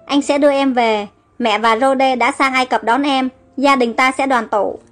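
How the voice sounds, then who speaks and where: A woman's voice: high voice, fairly even intonation, normal speed, soft background music, close to an everyday voice. A woman reading as an earnest protective elder brother. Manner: earnest, reassuring.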